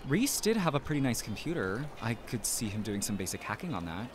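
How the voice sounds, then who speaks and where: Man acting chatty easygoing friend, animated mid-pitched voice, audio drama dialogue, faint background ambience. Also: brisk, background noise, close to an everyday voice. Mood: speculating. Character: easygoing, chatty male friend, quick to speculate.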